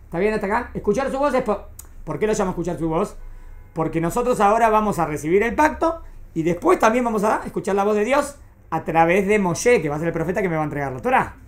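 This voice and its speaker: A woman teaches a small class at a middle pitch. She explains step by step and keeps asking whether everyone is following. The recording picks up the room's echo. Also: expressive, fast. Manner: explains patiently, keeps checking if students follow. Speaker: Torah teacher.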